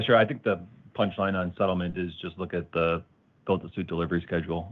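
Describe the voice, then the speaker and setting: A man's voice: low voice, no echo. A man answering as a finance executive in conversational business talk over a muffled phone line.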